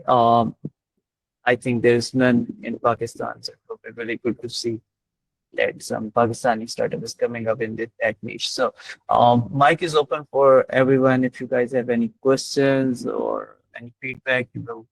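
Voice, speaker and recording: Gravelly South Asian man hosting online. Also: mid-range voice, dry recording, poor audio. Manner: tentative, repeats "like" often. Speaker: host of online community session. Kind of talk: informal moderated discussion. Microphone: online voice call.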